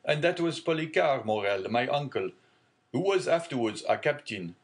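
A man's voice: medium pitch, big pitch swings, normal speed. A man voicing a genial, fatherly middle-aged shipowner.

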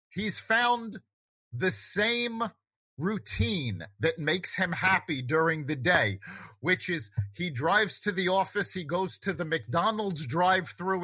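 A man's voice: high-pitched, bright, forceful tone, no echo. A man hosting a conversation, talking earnestly and reflectively about self-improvement, with frequent restarts. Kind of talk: casual conversation.

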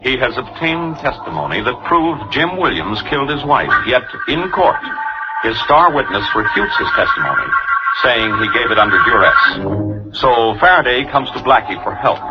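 A man narrating the recap of an old-time radio drama in a measured, formal announcing manner. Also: medium pitch, lively intonation. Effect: old-time radio show broadcast. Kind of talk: scripted narration. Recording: dull lo-fi broadcast over loud music.

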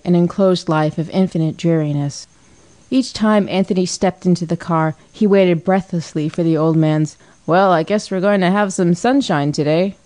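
A woman narrating a classic novel as an audiobook in a calm, even storytelling manner. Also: fairly low pitch. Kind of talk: scripted narration.

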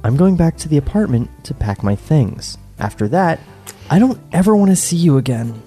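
A man voicing a hot-tempered young man at a script table read, gruff and exasperated. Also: fairly high pitch, sing-song, normal speed, warm tone, faint music behind. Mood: weary.

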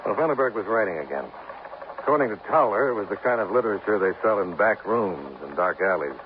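A man's voice: lowish voice, lively intonation, fast, lightly acted. A man playing a terse, dry private eye. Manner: terse and matter-of-fact. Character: dry, laconic male insurance investigator. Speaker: private investigator and narrator. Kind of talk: 1950s radio drama narration and dialogue. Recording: tinny, lightly hissy old radio broadcast.

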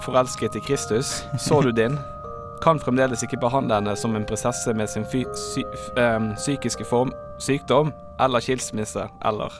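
A worried mother pressing the doctors with questions, read by a man in his ordinary mid-pitched voice. The reading stays plain and unpolished over clear background music. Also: steady tone, close to an everyday voice. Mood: anxious. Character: worried mother of a sick girl.

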